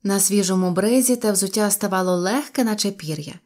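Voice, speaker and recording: A woman's voice: medium pitch, a little fast. Woman reading a storybook aloud. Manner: lively expressive reading. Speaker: audiobook narrator. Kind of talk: storybook narration.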